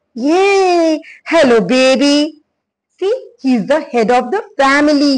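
The pace is very slow. The intonation is lively. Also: woman. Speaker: preschool teacher. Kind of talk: storytelling lesson for children. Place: classroom. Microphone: lapel.

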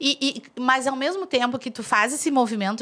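A woman with a high voice speaks at a moderate pace. She raises and projects her voice. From Rio Grande do Sul, Brazil. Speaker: podcast host, journalist; podcast host. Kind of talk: casual podcast chat. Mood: cheerful, laughing at end. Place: studio. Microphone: studio mic.

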